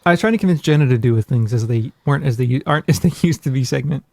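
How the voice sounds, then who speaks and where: Rambling gravelly podcast co-host, man. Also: mid-range voice, very fast, a little mellow, dry recording, clean studio sound. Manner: rambling, self-deprecating, jokey. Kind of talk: casual chat.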